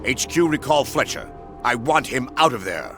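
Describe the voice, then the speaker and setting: Commanding general, authoritative, curt, animated delivery. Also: male voice, mid-range voice, normal speed, music in the background. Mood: stern. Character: stern commanding general giving orders. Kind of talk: video game cutscene acting.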